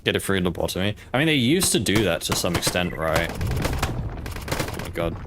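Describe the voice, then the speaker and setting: Talking fast in a low, sing-song voice, a young Polish man with a British accent streams a game and chats casually. His speech wanders, hesitates, and is heavy with fillers, all over audible background noise.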